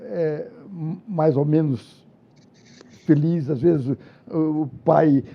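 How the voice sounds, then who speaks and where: An older man with a high, gravelly voice talks as an interview guest. He stumbles and repeats words as he searches for phrases, then pushes ahead with emphatic bursts. The sound is a little dull and muffled, like TV broadcast audio. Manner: halting, repeats words and restarts phrases, lively emphatic stretches. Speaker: former football coach, studio guest. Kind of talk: studio interview.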